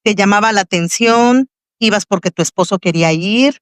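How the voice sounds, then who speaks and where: A woman with a Mexican accent hosting a Christian testimony podcast, greeting listeners warmly and asking her guest questions. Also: medium pitch, normal speed, clean tone, dry recording, clean studio sound. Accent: Mexican Spanish. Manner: warm, devout welcoming address to the audience. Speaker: podcast host. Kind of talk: faith testimony interview.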